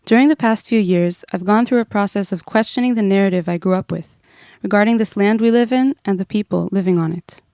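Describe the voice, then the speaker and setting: A woman's voice: medium pitch, brisk, no echo, studio quality. A woman in her thirties from Israel hosting a podcast. She reads an earnest scripted intro, then chats casually with her guest. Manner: earnest, then relaxed and chatty. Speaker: podcast host.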